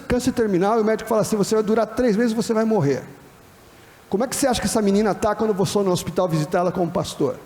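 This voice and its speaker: A man's voice: high voice, a little mellow. A man with a Brazilian Portuguese accent, a pastor giving a conversational lecture, often checking in with the audience and acting out quoted dialogue. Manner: acts out quoted dialogue in other voices. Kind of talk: classroom lecture on church and disability. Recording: hall with long reverb.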